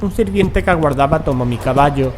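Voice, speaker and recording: A man reading a gothic horror tale as an audiobook narrator, in a measured, deliberate manner with dramatic pauses. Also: fairly high pitch, noisy background. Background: music.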